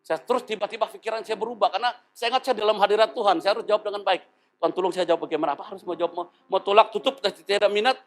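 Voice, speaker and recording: A pastor in his fifties preaches a sermon over soft background music, his high male voice racing along. He tells stories with animation, acting out the voices of the characters.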